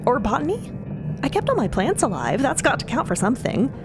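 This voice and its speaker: A woman plays a sincere, eager noblewoman in an audio drama. Talk comes in a chatty, tentative way, over clearly audible music. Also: high voice, huge pitch swings, fairly quick, voice pushed up. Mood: hopeful, tentative. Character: earnest, wistful, sheltered noblewoman eager to belong. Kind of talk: scripted audio fiction.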